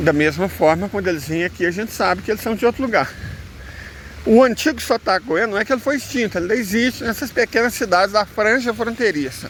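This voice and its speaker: A man's high-pitched voice at a very fast pace with lively intonation, over noticeable background noise. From southern Goiás, Brazil (Catalão/Itumbiara area). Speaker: video essayist. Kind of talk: casual educational monologue.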